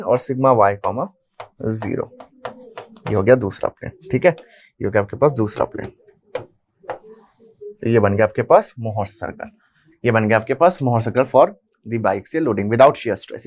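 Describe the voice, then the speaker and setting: A man with an Indian accent teaching an engineering class. He mixes in English technical terms, repeats key phrases and asks the class questions that he then answers himself. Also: medium pitch. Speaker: engineering lecturer. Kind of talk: classroom lecture explaining at a whiteboard.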